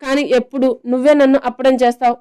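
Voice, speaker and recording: A woman voicing a tipsy, playful young wife who talks in a drawn-out, sing-song slur. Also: sits high, level tone, warm tone, clean tone, natural voice. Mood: tipsy, pouting.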